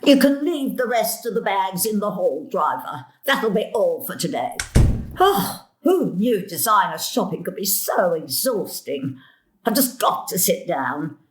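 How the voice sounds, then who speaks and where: A woman's voice: mid-range voice, very animated, a little slow, roomy sound, a little hiss or hum. Actress as a spoilt, theatrical elderly grandmother. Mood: imperious, grand. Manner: imperious, theatrical, querulous. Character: elderly, spoilt, demanding grandmother with fanciful spending sprees. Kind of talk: stage-style audio drama acting.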